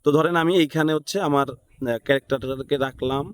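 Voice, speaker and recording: A man's voice: mid-range voice, steady tone, quick pace. A man with a Bangladeshi accent giving a casual, unscripted step-by-step tutorial, thinking aloud and often checking in with short tag questions. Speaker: tutorial instructor.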